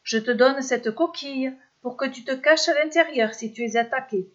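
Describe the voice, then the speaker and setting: A woman's voice: high-pitched, close to an everyday voice. Epimetheus, an eager, thoughtless young titan, read by a woman. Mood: generous. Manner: eager and quick to boast. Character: Epimetheus, hasty thoughtless cheerful male titan. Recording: dull lo-fi sound.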